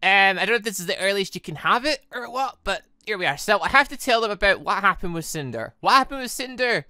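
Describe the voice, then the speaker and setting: Rambly gamer doing playthrough chat, bright voice, pitch all over the place, really dry close mic. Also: quick pace, smooth, dry recording. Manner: rambling, chuckling, excitable. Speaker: gaming video host. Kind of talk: casual playthrough commentary, reading dialogue aloud.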